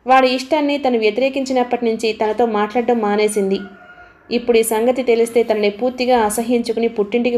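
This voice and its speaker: A woman reading a novel aloud as an audiobook narrator, in steady storytelling. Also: a little high. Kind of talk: scripted narration.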